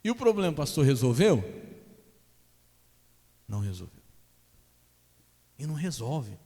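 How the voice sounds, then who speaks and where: Pastor, emphatic sermon, mid pitch, long church echo. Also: male voice, very animated, unhurried, mellow. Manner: emphatic, asks the congregation rhetorical questions. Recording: echoey church hall.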